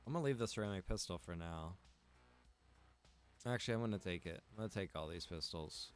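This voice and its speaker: A man's voice: deep voice, brisk, clear, resonant tone, soft background music. A man giving casual, rambling livestream commentary while gaming, repeating phrases for emphasis. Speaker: game streamer and roleplay server co-owner.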